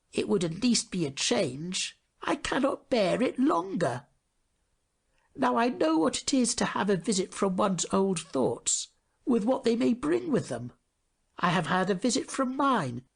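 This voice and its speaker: A man's voice: sits high, gravelly, husky, pitched above the performer's own voice, full character voice. A man voicing a melancholy, lonely pewter toy soldier in a storybook, lamenting in a plaintive, dramatic way.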